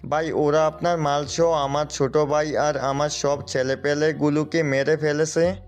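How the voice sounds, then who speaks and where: A man's voice: on the high side, little pitch movement, measured pace, faint music behind, close to an everyday voice. An actor playing a grieving male henchman, pleading and tearful, in an unvaried tone. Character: grieving male henchman who lost his brother.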